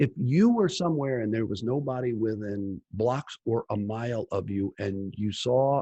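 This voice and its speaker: A man speaks at medium pitch with lively intonation and a dark, mellow tone. His somewhat breathy voice sounds dry and close with no echo. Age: 60s. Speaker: practice management consultant. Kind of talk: podcast interview. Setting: recorded on video for podcast.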